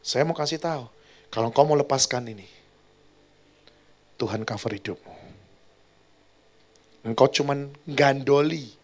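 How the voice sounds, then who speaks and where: A male pastor preaching a sermon in an animated way, swinging from loud to quiet and addressing the congregation directly. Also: medium pitch, measured pace, long pauses. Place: church hall.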